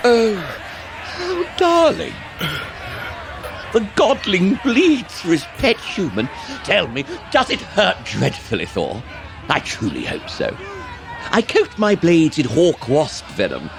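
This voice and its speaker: A sadistic male elf villain of an audio drama. He speaks slowly and swoops hugely in pitch, savoring every threat with mock sweetness. Clear background noise of ambient effects surrounds him. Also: wildly swooping pitch, crowd noise, heavily acted. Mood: mock-sweet cruelty. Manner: theatrical, mock-sweet, savoring each word. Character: sadistic, gloating male dark elf lord of the Fae. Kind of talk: scripted audio drama acting.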